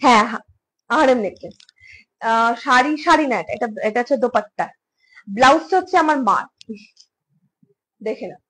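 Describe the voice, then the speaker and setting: A woman with a high voice talks through a casual home showcase of jewellery pieces. She is chatty, repeats her phrases and slips English words into her speech. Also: lively intonation, normal speed, long pauses, a bit bright, rough recording. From India. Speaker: jewellery seller. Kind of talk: casual live product showcase.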